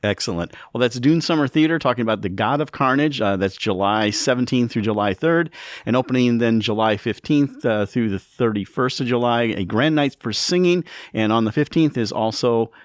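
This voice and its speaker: A man's voice: medium pitch, normal speed, no echo, studio quality. A man hosting a radio interview in a casual conversational style. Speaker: radio host.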